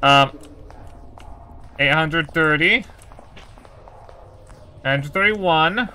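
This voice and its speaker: Bright-voiced, uneasy male horror game streamer. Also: on the high side, very slow. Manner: uneasy, sweary, muttering taunts at the monster. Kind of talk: casual horror game play commentary.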